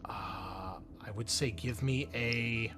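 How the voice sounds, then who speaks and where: A man's voice: medium pitch, slow pace, fairly bright tone, faint music behind. A man running a tabletop roleplaying game, explaining action and rules in a casual, profane way. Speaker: game master.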